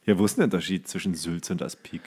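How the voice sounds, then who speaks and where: A man's voice: low-pitched, steady tone, quick pace, a little mellow, slightly rough. Slangy man chatting casually. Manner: colloquial, slangy. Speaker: podcast co-host. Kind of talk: casual comedic podcast chat.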